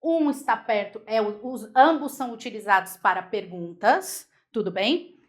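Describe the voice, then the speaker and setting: A Brazilian woman teaching Portuguese grammar for exam prep, lively and chatty, checking in with her students again and again. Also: a little high, moderate pace.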